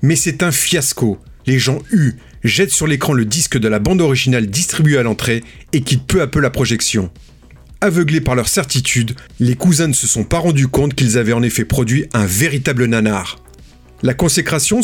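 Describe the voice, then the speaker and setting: A man reading a scripted documentary narration in a measured, storytelling way. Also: mid-range voice, breathy edge.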